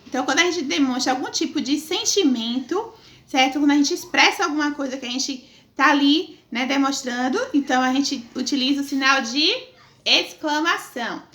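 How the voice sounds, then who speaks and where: A woman's voice: high-pitched, normal speed, a bit bright. A woman teacher from Northeast Brazil, talking affectionately to young children in a video lesson and stretching her words for them. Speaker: primary school teacher.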